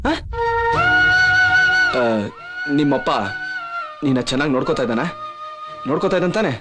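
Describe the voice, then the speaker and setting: A man's voice: a little high, animated, normal speed, over music, natural voice. A man playing a brash young rowdy who teases and threatens the woman he loves, repeating his words and swinging to sudden threats. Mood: menacing teasing. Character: brash young male rowdy, menacing lover. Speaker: lead actor in a feature film. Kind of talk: dramatic film acting. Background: film score.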